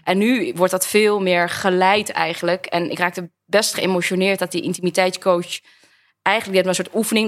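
Woman in her 30s, actress on a podcast; frank, animated storyteller with a natural middle register. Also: mid-range voice. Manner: animated, frank anecdote-telling. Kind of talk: casual conversational storytelling.

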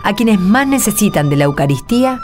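An Argentine woman presenting a religious radio programme, with scripted, measured and clearly phrased delivery. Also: mid-range voice, very animated, a little mellow. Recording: music bed behind the voice.

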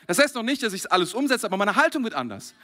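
German male preacher, high bright voice, animated sermon with frequent chuckles. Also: rapid-fire. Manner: animated, chuckles often between phrases. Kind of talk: lively sermon to a congregation.

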